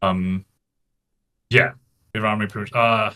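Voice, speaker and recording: A man's voice: lowish voice, flat delivery, normal speed, bright, forceful tone. A man in his late twenties from Singapore, chatting casually and loosely as an interview guest on a video call. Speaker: podcast guest, card game player. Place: small home room, indoors.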